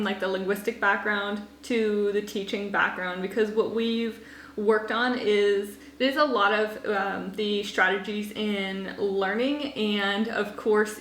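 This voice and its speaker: A woman's voice: mid-range voice, a bit bright. A woman speaking as a host and language coach in a conversational interview, rambling and often saying "like". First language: English. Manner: rambling, frequent "like". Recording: echoey room, noticeable background noise.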